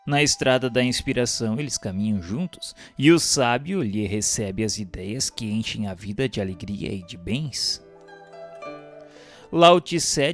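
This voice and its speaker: A Brazilian man giving a solemn, scripted spiritual narration in a formal, measured, declamatory way. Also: medium pitch. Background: instrumental music.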